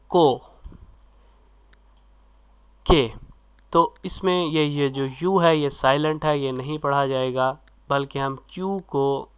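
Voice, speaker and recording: A man's voice: mid-range voice, fairly bright tone. A man with a Pakistani Urdu accent, teaching a recorded video lesson and sounding out words letter by letter. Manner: spells words out letter by letter, sounding each syllable; clears throat now and then. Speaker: language teacher.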